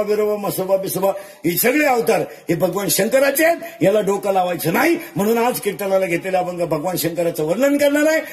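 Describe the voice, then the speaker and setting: A high-voiced man with a darkish tone, a kirtan preacher, delivers a comic devotional sermon at a live gathering, peppering the audience with jokes and rhetorical questions. A crowd of listeners can be heard in the background.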